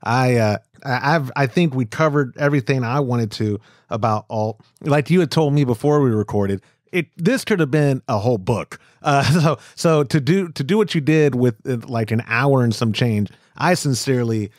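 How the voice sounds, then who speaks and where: Podcast host dude, upbeat and chatty, super dry close sound. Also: male voice, medium pitch, moderate pace, few pauses, dry recording. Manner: enthusiastic, friendly, easy agreement. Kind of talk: casual chat.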